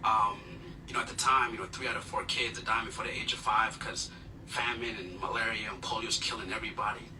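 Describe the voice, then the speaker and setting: Recorded through a distant mic with noticeable noise, a Ugandan guest recounts his life story in an interview, humble and earnest, with many fillers. He speaks fast in a lowish voice with a steady tone.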